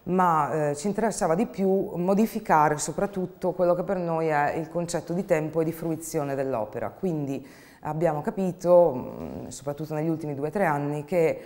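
A woman. She talks in a measured, reflective way, as an actress being interviewed about her work, stopping now and then to find words. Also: sits low, expressive, a little mellow. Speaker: actress and theatre group co-founder. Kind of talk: interview monologue about own artistic work. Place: dark indoor studio, seated.

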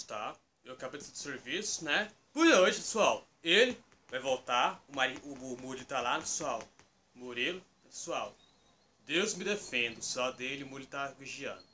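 Man as a bright-voiced Brazilian toy bull host. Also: mid-range voice, close to an everyday voice. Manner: rambling, repeatedly appealing to viewers. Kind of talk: improvised toy puppet skit.

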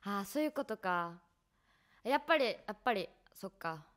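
A young Japanese woman with a Japanese accent, hosting a casual streamed chat in a bedroom on a headset, chatty and quick to laugh. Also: mid-range voice, expressive, fairly bright tone. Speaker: streamer and podcast host. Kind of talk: casual chat, switching between English and Japanese. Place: bedroom at home.

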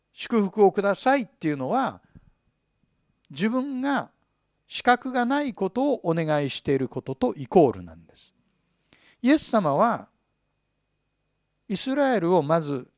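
A middle-aged male pastor giving an expository Bible sermon, teaching in an animated way and asking his listeners questions. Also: high voice, no room sound, studio quality.

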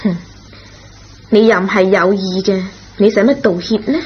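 A woman playing a forgiving, gently reproving schoolteacher in a Cantonese radio drama, with a husky, rough voice. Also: mid-range voice, fairly even intonation, normal speed, a little hiss or hum, natural voice. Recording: dull lo-fi old radio recording.

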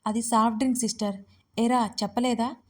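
A woman's voice: fairly high pitch, fairly even intonation, fairly quick, a little mellow, lightly acted. A woman narrator voicing a friendly young man, the hero's buddy, in an audio story. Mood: chummy.

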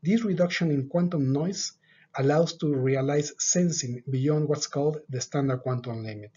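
A middle-aged man with a slightly raised, husky voice gives a measured, scripted research overview. His tone is mellow. He is recorded on a desk webcam with dull, lo-fi sound. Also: fairly high pitch. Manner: measured, deliberate delivery with occasional filler pauses. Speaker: lab director giving a research overview. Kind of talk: scripted presentation. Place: office with a whiteboard.

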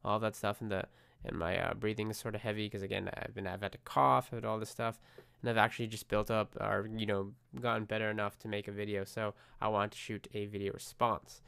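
Congested, fast-talking man. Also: fairly low pitch, level tone, vocal fry, fairly bright tone, clean tone. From United States. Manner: chatty, restarts often, friendly asides. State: congested from a cold. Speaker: tech vlogger. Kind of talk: casual screencast walkthrough.

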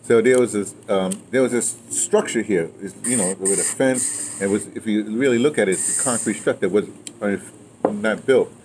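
At a normal speed, a man in his seventies with a lowish, slightly mellow voice reminisces in casual conversation, repeating phrases in his stories. He's being interviewed as an audio drama veteran, outside on a patio or yard where the background noise is clear.

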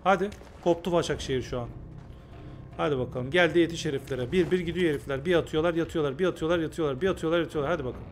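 A man's voice: a little high, rapid-fire, a little hiss or hum. A man streaming a game live and talking casually, often ranting in exasperation and repeating himself. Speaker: gaming streamer.

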